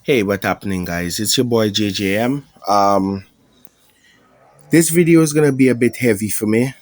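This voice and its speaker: A man with a Guyanese accent, hosting his own channel from home, speaking in a heavy, halting way with many pauses and fillers. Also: fairly low pitch, a little mellow. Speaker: MMA prediction channel host. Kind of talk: somber direct-to-camera talk. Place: at home indoors.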